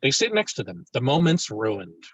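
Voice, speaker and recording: A man's voice: medium pitch, sing-song, moderate pace, a bit bright, husky, dry recording, muffled recording. A man reading stage directions as narrator in a virtual table read of a film script.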